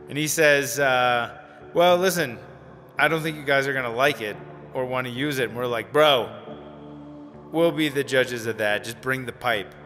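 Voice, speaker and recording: An actor playing a rambling young addict in a radio drama, telling stories in a hesitant, slangy, casual way. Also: male voice, mid-range voice, bright, forceful tone, long reverb tail, lightly acted. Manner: informal, hesitant, slangy storytelling. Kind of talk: radio drama acting, conversational monologue.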